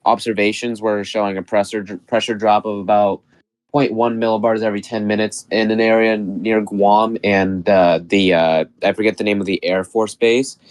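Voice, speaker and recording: Man, low voice, raspy from a cold, steady technical explaining. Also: moderate pace. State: raspy from being sick. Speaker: guest weather tracker. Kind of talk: live stream analysis.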